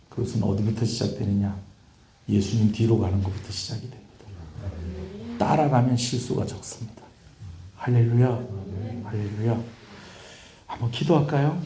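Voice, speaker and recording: A man's voice: on the low side, mellow, roomy sound, a little hiss or hum. A man, a pastor with a Gyeongsang accent, preaching a fervent sermon and calling out to his congregation. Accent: Gyeongsang Korean. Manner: preaching with rising fervor and call-and-response. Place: church sanctuary.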